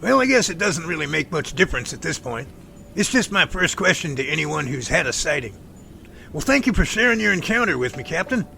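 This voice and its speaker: A bright, very creaky male voice with lively swings in pitch and a faint rumble behind. It is a man acting as an inquisitive, polite professor in an audio drama, attentive and keen. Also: fairly quick, heavily acted. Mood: appreciative. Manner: courteous, attentive interviewer. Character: inquisitive male professor, enthusiastic, courteous sighting researcher.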